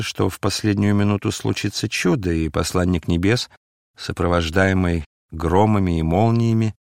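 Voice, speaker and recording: A man narrating a novel in a measured, even storytelling voice. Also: low voice, gravelly, no echo, clean studio sound. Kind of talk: audiobook reading of a novel.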